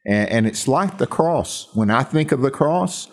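A man's voice: medium pitch, animated, measured pace. A man hosting a Christian radio talk, speaking earnestly and from the heart. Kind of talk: reflective devotional talk.

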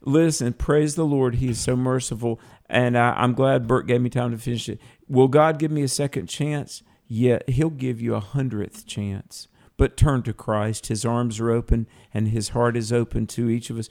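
A man's voice: mid-range voice, steady tone, normal speed, gravelly, hardly any pauses, darkish tone. A man, talking as co-host of an evangelical call-in show. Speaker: radio co-host, Christian author.

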